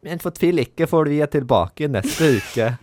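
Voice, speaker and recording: Goofy, stumbling baby talk from a man putting it on as a penalty, higher than his usual voice and swinging widely in pitch. It is recorded dry and close in a radio studio. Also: animated, a little mellow, dry recording, lightly acted. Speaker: show co-host.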